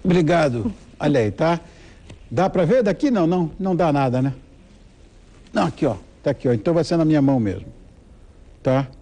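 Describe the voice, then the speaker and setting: A man's voice: fairly high pitch, animated, a little fast, pauses often, mellow. A man with a Brazilian accent hosting a talk show and interviewing a guest in a conversational way.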